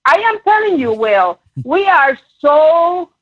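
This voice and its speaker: A woman's voice: sits high, big pitch swings, no echo. Puerto Rican woman calling in by phone. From Puerto Rico. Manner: earnest, halting, many fillers. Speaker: caller. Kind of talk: call-in chat. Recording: dull phone line.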